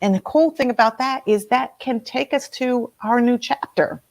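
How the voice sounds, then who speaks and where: A woman's voice: fairly high pitch, normal speed, vocal fry. Nasal-voiced woman hosting an encouraging talk. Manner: encouraging, asks listeners many questions. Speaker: host. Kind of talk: casual motivational talk.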